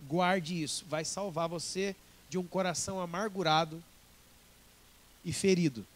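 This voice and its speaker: A Brazilian man preaching a sermon as pastor, lively and joking, slipping into quick acted asides. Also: sits high. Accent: Brazilian Portuguese.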